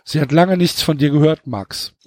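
A man reading aloud the lines of a worried, poor middle-aged mother, in a soft, murmuring voice. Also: fairly high pitch, normal speed, dry recording, clean studio sound, close to an everyday voice. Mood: hushed.

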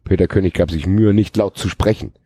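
A man's voice: sits low, fairly even intonation, fairly quick, warm tone, no echo, studio quality. A man hosting a podcast, reading a novel aloud with joking asides. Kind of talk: casual read-aloud with banter.

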